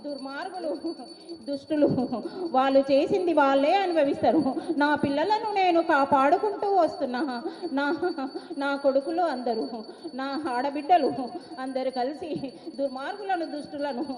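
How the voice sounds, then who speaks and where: A woman's voice: high-pitched, moderate pace, darkish tone. A woman with a Telangana accent declaims oracle prophecy in a trance voice, in short phrases, as a commanding, protective mother goddess. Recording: echoey, reverberant hall sound.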